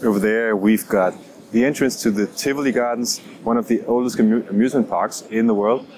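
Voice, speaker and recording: A man in his forties, a native Danish speaker, teaching pronunciation slowly and carefully, recorded outdoors on city streets with a lapel mic. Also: on the low side, steady tone, darkish tone, poor audio. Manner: slow, exaggerated demonstration of sounds. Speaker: language teacher. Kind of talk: pronunciation lesson vlog.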